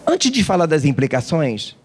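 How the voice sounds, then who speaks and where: A pastor preaching a sermon in a church service, telling stories animatedly and acting out quotes. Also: male voice, on the high side, normal speed, a little hiss or hum. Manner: animated storytelling with acted quotes.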